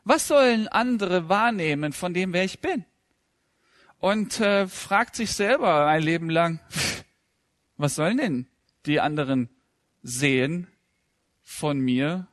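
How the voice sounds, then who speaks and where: A man in his thirties preaching a sermon with a fairly high voice. He speaks conversationally and pokes fun at himself, then builds to emphatic rising questions. The sound is close and dry, with no room echo. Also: animated, slow pace, long pauses, a bit bright.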